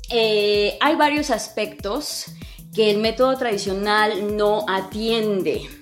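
A woman's voice: medium pitch, steady tone, slow pace, faint music behind. A woman with a Mexican Spanish accent, an English teacher and podcaster, talking in a blunt, slangy, casual monologue full of swearing and rhetorical questions.

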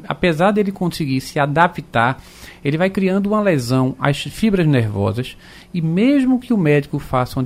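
A man, an orthopedic doctor explaining calmly on radio with plain comparisons. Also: on the high side.

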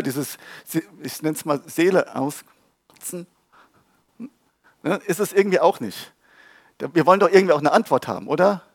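A man delivers a sermon in a casual, animated way, teasing his audience and firing rhetorical questions at them. His voice sits a little on the high side. The sound is close and dry, with almost no room echo. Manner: lively, conversational preaching with humor and rhetorical questions. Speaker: preacher. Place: church hall with a live audience.

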